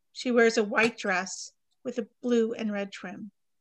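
A woman speaks with a fairly high pitch and fairly even intonation. The sound is dry and close, with no echo. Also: quiet background. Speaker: podcast host and stage-direction reader. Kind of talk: scripted narration and host chat.

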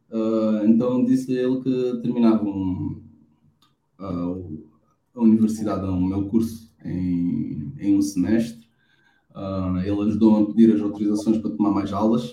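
At a fairly slow pace, a man with a fairly low pitch and a dark, mellow tone speaks with ordinary pitch variation amid audible room echo. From Cape Verde, Praia (Santiago). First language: Cape Verdean Creole (speaking Portuguese). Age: 30s. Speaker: professional basketball player. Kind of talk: interview.

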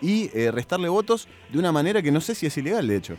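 Speaking in a Rioplatense accent, a man talks at a fairly quick pace with very wide pitch swings. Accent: Argentine Rioplatense Spanish. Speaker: radio host. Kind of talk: casual chat. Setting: studio.

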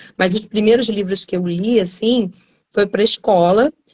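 A woman speaks at medium pitch and a moderate pace. Her pitch varies in an ordinary way. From Rio de Janeiro, Tijuca. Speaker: children's book author. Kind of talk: interview. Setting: video call.

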